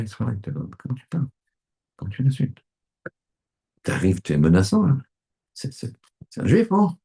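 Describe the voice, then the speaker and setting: A middle-aged man, a rabbi, giving an animated sermon and acting out little scenes in other voices. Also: low voice, creaky, slightly rough.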